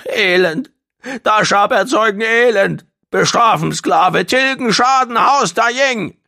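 Shrill, hysterical fat alien master. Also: male voice, slow pace, gravelly, sharp tone, heavily acted. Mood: wailing misery. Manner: howling and wailing in broken, clipped grammar. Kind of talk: audiobook character voice.

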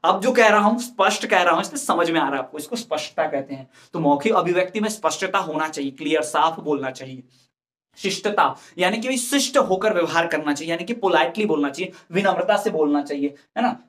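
A man with a rather high voice teaches an exam-preparation class. He explains each point patiently, works through examples and repeats the key terms so students can follow. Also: lively intonation, fast, fairly bright tone. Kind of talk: exam-prep lecture.

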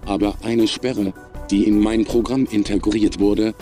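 Actor as sentient computer, very low pitch, mellow dark tone, cold, emotionless, formal, sci-fi audio drama. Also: steady tone, unhurried, faint music behind. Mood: cold, measured. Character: cold, calm, sentient computer intelligence turned suicidal.

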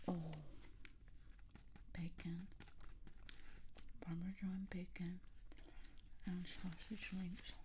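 Woman from california doing a whispered role-play, slow soft whispers, some quiet voiced bits, paper rustling behind. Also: on the low side, little pitch movement, a little hiss or hum. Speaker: ASMR creator. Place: at home at a table with paper grocery ads. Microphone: binaural mic close to the table. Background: paper rustling and clicks.

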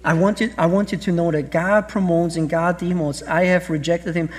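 A man's voice: on the high side, fairly even intonation, normal speed. A middle-aged man with an Austrian accent, preaching a sermon on a church stage, earnest, with frequent restarts and rhetorical questions. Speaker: pastor. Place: large church stage with audience.

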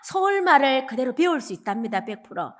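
Woman evangelist from Gyeongsang, high-pitched, lively storytelling preacher. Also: a little fast. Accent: Gyeongsang Korean. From Gyeongsang region, South Korea. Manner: animated storytelling, acting out quoted lines. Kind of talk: dawn service sermon.

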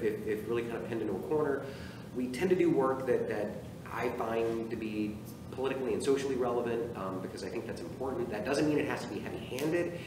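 Man talking on an echoey stage. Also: on the low side. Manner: animated, talks with his hands, many restarts. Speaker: theater artistic director, guest. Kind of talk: casual interview chat. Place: theater stage. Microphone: far camera. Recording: echoey stage from far off with noise.

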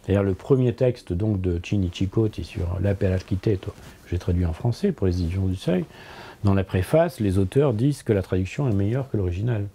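A French-speaking philosopher in his sixties gives a conversational interview in a book-lined office. His voice sits low, warm, with lively intonation, over a little hiss or hum, and he speaks thoughtfully but haltingly, often repeating words and hesitating.

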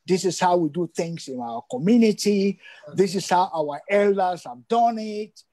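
A man's voice: sits high, animated, moderate pace, mellow. Older man, emphatic on a video call. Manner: emphatic, repeats phrases for stress. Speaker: guest. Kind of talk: interview over video call. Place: indoor room at home.

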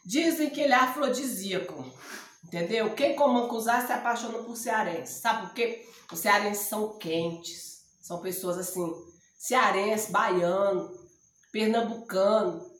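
A middle-aged woman from Ceará with a northeastern Brazilian accent, hoarse, chatting and joking to camera in her home vlog. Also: medium pitch, unhurried, a bit bright. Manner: joking, chatty, laughs often. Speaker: vlogger. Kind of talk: casual chat to camera. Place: small room indoors at home. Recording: echoey room.

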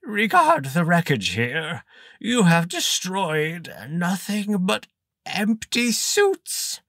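A squeaky, wheezing little cloned creature, high and swooping. It drags every word out slowly with gloating menace, dry and close. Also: male voice, wildly swooping pitch, a bit bright, no room sound, heavily acted. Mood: menacing. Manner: slow, drawn-out, gloating menace. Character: wheezing scrawny cloned homunculus, male, menacing. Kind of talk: audiobook character voice.

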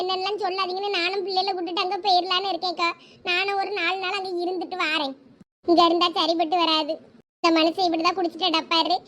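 A woman with a Thoothukudi accent plays village women in a comedy sketch, her voice very high and bright. She talks in gossipy, scolding chatter. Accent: Thoothukudi Tamil.

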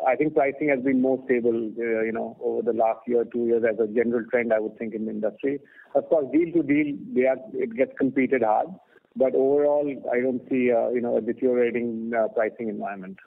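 A man answering analysts as a company executive on an earnings call, speaking off the cuff in a halting way with many "you know"s. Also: medium pitch, vocal fry. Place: telephone conference call. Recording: tinny phone-line conference call.

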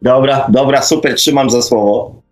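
A man's voice: mid-range voice, moderate pace, faint music behind. A man hosting a live call-in radio discussion, speaking hesitantly as he searches for words. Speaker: radio host.

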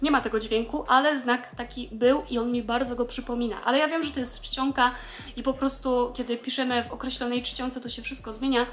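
A woman's voice: a little high, steady tone, fairly quick, a bit bright. A young adult woman from Poland explaining things in a casual, chatty vlog, with lots of filler sounds. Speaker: vlogger explaining Japanese.

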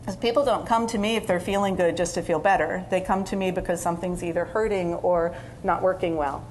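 A woman's voice: lowish voice, fairly even intonation, a little fast, a little mellow, slight background noise. A woman in her forties, a physical therapist, giving a conversational conference talk from a stage, with fillers and quoted asides. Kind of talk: conference lecture.

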